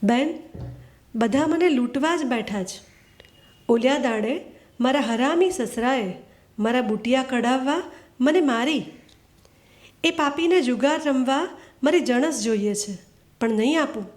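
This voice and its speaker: A woman's voice: high voice, lively intonation, a little slow, long pauses, a little mellow. A woman reading as a despairing young working wife. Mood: distraught. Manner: pleading, plain-spoken.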